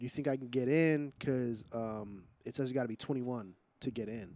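A plain, everyday voice: a man with an American accent speaks at a moderate pace with ordinary pitch variation. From Pittsburgh, US. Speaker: comedian and internet personality. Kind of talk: casual chat.

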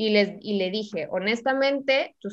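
A woman's plain, everyday voice at a fairly high pitch. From Mexico, Monterrey. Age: 20s. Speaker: digital marketing specialist. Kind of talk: interview.

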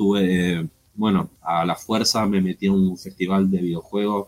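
A man's very deep, low voice, monotone and flat in intonation, at a fairly slow pace. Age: 30s. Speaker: indie game developer. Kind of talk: interview. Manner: halting.

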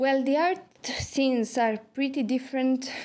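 A woman with a Romanian accent speaks at a fairly slow pace on a very clean recording with a silent background. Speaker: photographer and art student. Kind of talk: interview. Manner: hesitant, many fillers.

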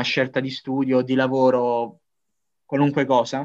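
A man's fairly high voice at a moderate pace, over a quiet background. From Italy. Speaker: podcast host. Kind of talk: casual chat. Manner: hesitant, repeats words.

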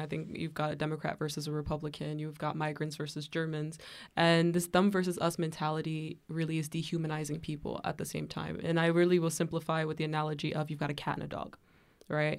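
With an American accent, a woman talks at a very fast pace in a very deep, low voice and a monotone, flat intonation, on a very clean recording with a silent background. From US. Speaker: podcast host. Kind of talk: interview. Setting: stage with audience.

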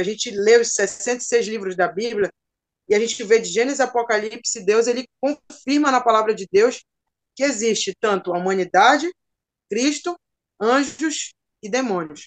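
A woman talks at a fairly slow pace in a normal speaking voice. Her pitch is fairly high, with ordinary variation. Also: dry, close sound with no echo. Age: 20s. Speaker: pastor and missionary. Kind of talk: religious teaching talk.

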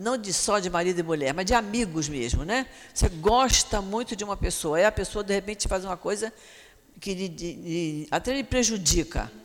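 Against noticeable background noise, a woman with a medium pitch speaks at a moderate pace with lively intonation. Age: old. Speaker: spiritist study group leader. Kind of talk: religious study class.

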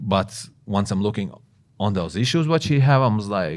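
Fairly slow, lively speech with a Latvian accent, in a very clean recording with a silent background. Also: man. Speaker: personal trainer. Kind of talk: casual interview chat.

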